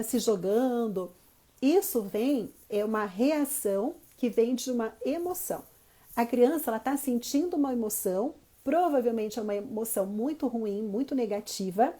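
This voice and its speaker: A young woman with a mellow, slightly high voice talks through parenting advice straight to her audience. Her tone is explanatory and patient, and she keeps checking in with a quick "tá?" between points. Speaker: parenting educator. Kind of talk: casual advice talk to camera.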